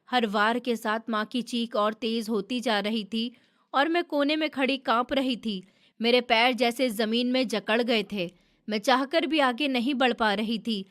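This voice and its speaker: A woman narrating a first-person story in a somber, steady storytelling manner. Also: a little high.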